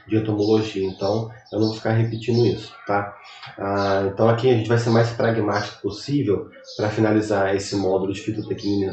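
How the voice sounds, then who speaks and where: A man's voice: on the low side, darkish tone, roomy sound, recorded from a distance, muffled recording, slight background noise. A man in his thirties with a Brazilian Portuguese accent, giving a recorded online lecture in a rambling, conversational way while he recovers from a cold. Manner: rambling, conversational, chatty asides. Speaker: university lecturer.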